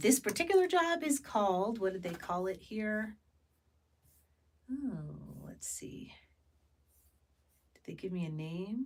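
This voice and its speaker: Somewhat breathy, a woman speaks at a very slow pace with lively intonation and long, frequent pauses. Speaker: voice actor. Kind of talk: casual talk to camera. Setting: studio.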